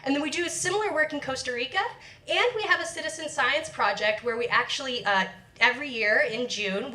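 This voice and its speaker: A young woman researcher giving an animated talk to a live audience, moving around as she speaks. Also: fairly high pitch. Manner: animated and energetic, moves around while speaking. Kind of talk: lively public lecture to a live audience. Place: lecture room with audience. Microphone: handheld or stand mic, sometimes away from it. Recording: echoey room, voice from a distance.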